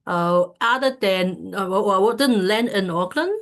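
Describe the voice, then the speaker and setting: A woman's voice: mid-range voice, measured pace. A woman from Hong Kong giving a casual talk over a video call, hesitant and full of fillers and restarts. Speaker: speaker at an online community event.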